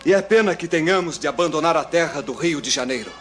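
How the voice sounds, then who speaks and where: A man's voice: on the high side, expressive, quick pace, a bit bright, faint music behind. A man playing a pious Jesuit priest, speaking solemnly and declaiming in a 1960s radio drama. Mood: solemn, devout.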